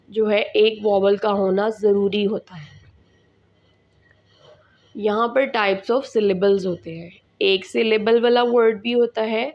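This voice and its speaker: A woman teacher, explaining an English lesson slowly and repeating words for her students. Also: mid-range voice, gravelly, dull audio. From Pakistan.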